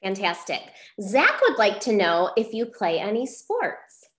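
A woman's voice: medium pitch, wildly swooping pitch, measured pace. A woman publisher hosting a question-and-answer session for children, explaining things plainly to students and teachers. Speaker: host, book publisher. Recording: roomy echo on a video call.

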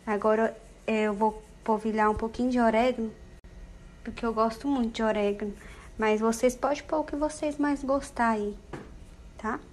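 Woman, slightly high voice, emotional and chatty home-cooking vlogger, faint background noise. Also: fairly even intonation, moderate pace, a little mellow. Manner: emotional, effusive, addresses viewers as "gente". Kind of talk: casual cooking vlog.

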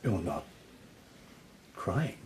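A man's voice: low voice, sing-song, extremely slow, a little mellow, heavily acted. A man acting a loyal, encouraging friend in a radio verse drama, emphatic and theatrical. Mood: gentle concern.

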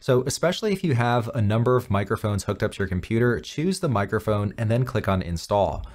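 A man hosting a step-by-step software tutorial, explaining in a conversational, instructional way. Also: fairly low pitch, animated, fairly quick. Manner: clear instructional, conversational phrasing. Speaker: tutorial host.

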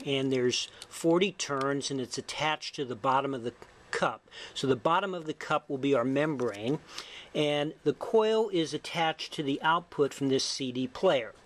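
A middle-aged man narrating an instructional demonstration as a lecturer, in a measured, explanatory way. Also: a little high. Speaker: physics lecturer. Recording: faint background noise.

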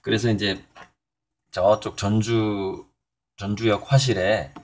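A middle-aged male painter talking casually in a morning vlog, rambling a little with fillers and soft chuckles. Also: on the low side, level tone, slow. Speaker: painter and channel host.

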